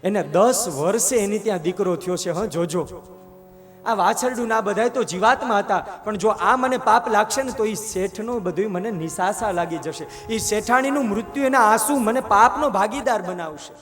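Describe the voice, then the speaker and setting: A man's voice: high-pitched, moderate pace, a bit bright. A man voicing an anxious, pleading male divine sage. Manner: pleading, fretful storyteller's voice. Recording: long hall echo with music.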